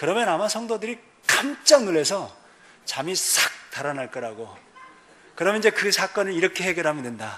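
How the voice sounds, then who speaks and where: Amid noticeable background noise, a high-pitched man uses a raised, projected voice with very wide pitch swings and long, frequent pauses. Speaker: missionary preacher. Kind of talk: sermon. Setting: church. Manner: slow.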